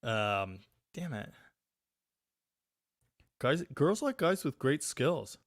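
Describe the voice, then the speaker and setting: A man hosting a live stream, chatting casually and reading viewer comments, with a very loud voice recorded on a phone. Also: mid-range voice, very animated, very slow, dry recording, studio quality. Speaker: livestream host reading chat. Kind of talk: casual live chat about cars. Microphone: phone microphone.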